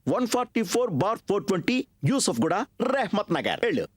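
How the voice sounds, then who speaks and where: A man's voice: high voice, sing-song, a little fast. A man playing a boastful husband who teases and bickers with his wife in a dubbed comedy film. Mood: teasing.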